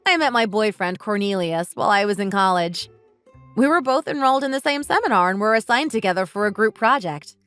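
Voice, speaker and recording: A woman's voice: mid-range voice, lively intonation, a little fast, a bit bright, clean tone, no room sound, soft background music. Woman in her twenties narrating a story. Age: 20s. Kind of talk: scripted first-person story narration.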